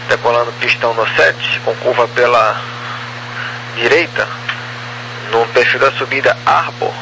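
Crackly radio air traffic controller, male. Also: medium pitch. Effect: crackly aviation radio. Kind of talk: clipped procedural radio phraseology. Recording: noisy, humming aviation radio.

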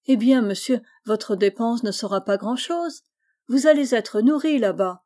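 A thrifty, devout servant woman, read by a woman storyteller, earnest and full of warnings. The voice is fairly high, mellow and soft-toned. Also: unhurried, natural voice. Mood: cautioning.

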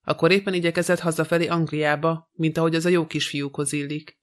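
A man reading the part of a cheeky, mocking young woman in an audiobook, in a flat, teasing delivery. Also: a little high, close to an everyday voice.

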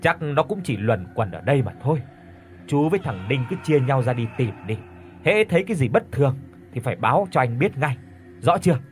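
A man voicing a gruff older village exorcist who gives blunt orders. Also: mid-range voice, big pitch swings, a little fast, soft background music, natural voice. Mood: commanding. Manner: blunt, commanding.

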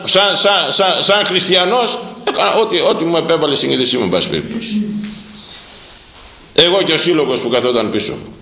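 A middle-aged priest delivering a sermon, dramatic and repetitive, his pitch swinging from high to low. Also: sharp tone, echoey room, rough recording. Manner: dramatic, repeating words for emphasis, swinging pitch. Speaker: Orthodox priest.

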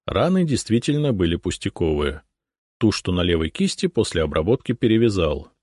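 Male narrator, low voice with a wide, lively range, dry close mic, reads prose and acts out dialogue. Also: fairly quick, no echo. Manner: lively, voices characters by raising his pitch. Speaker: audiobook narrator. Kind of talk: scripted narration with acted dialogue.

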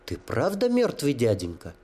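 A man's voice: medium pitch, huge pitch swings, normal speed, warm tone, husky, pitched above the performer's own voice. A man voicing a tearful, simple-minded holy fool who talks about himself like a child. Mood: plaintive. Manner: childlike pleading, stuttering.

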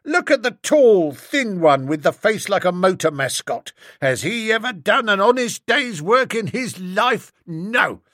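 A man's voice: high-pitched, very animated, a little slow, hardly any pauses, fairly bright tone, no echo, clean studio sound, pitched above the performer's own voice, full character voice. A man voicing a bearded street-corner agitator who bellows scornful, declamatory speeches at a crowd. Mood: ranting.

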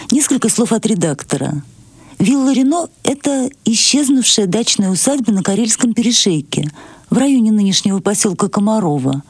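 A woman's voice: mid-range voice, a little mellow, dry recording. A woman presenting a literary program on radio, reading a scripted introduction in a composed, formal way.

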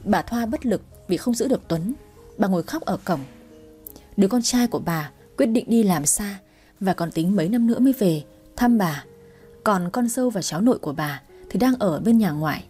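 A young woman in her twenties narrates a sad first-person family story in a reflective, sorrowful manner. Her voice is mellow and a little husky, and faint music plays underneath. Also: medium pitch. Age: 20s.

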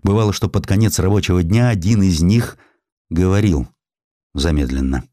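A man giving a dramatic scripted audiobook narration, measured and grave, with deliberate pauses. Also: deep voice, dark tone, no room sound, studio quality.

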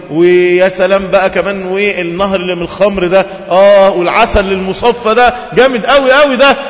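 A man's voice: high-pitched, lightly acted. A man with an Egyptian accent voicing a desperate man who pleads and bargains to get out of the fire, recorded with hall reverb and a dull, lo-fi sound. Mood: delighted. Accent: Egyptian Arabic. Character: desperate pleading man begging to escape hellfire.

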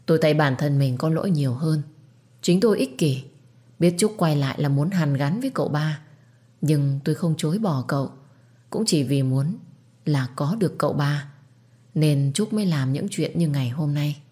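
Low-voiced woman reading a drama. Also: moderate pace, warm tone. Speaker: storyteller. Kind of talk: dramatic story narration.

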